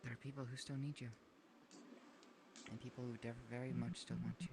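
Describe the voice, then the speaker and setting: A man playing a gentle, hospitable host in improvised roleplay, speaking in a considerate, hesitant way. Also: mid-range voice, flat delivery, a little fast, creaky, a crowd in the background, natural voice. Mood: reassuring. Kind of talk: improvised virtual-world roleplay. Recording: noisy voice-chat audio with ambient sound.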